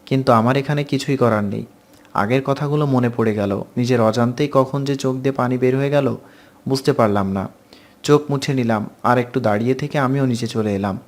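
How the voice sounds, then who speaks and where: A man reads an emotional love story aloud in the first person. His voice sits at an ordinary middle pitch, and his delivery is calm and steady throughout. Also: fairly quick. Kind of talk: scripted story narration.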